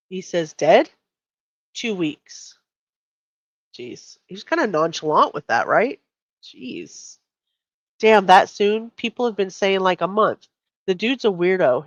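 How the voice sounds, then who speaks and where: A woman's voice: medium pitch, no room sound, highs cut off. A middle-aged woman, hosting a casual true crime live stream, reading out and commenting in a conversational, blunt way.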